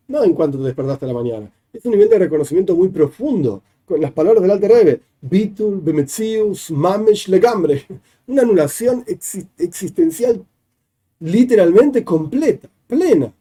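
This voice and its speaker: A man's voice: a little high, warm tone. A man, a rabbi teaching a Hasidic discourse, explaining each idea step by step with repeated definitions. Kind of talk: explanatory religious class.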